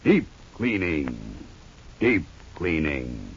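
A man on an old radio broadcast, intoning a product slogan in a slow, repeating way. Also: very deep voice, sing-song. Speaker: radio announcer. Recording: dull lo-fi old radio recording, faint noise.

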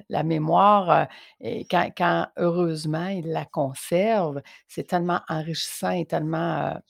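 Gravelly low-voiced Québécoise woman. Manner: warm, effusive, many hesitations. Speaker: podcast guest, entrepreneur. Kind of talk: casual conversation.

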